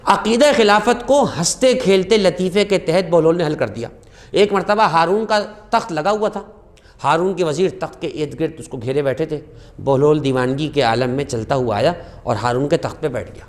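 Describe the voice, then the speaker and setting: On a religious talk show, a male guest scholar narrates stories passionately, his slightly high voice jumping upward on important phrases. Arabic quotations are recited at a slow pace.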